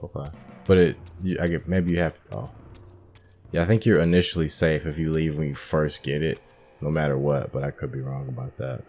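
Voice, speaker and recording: A man's voice: a bass voice, fairly even intonation, fairly quick, darkish tone. A man giving casual video game playthrough commentary, thinking aloud as he guides viewers, with game music behind him.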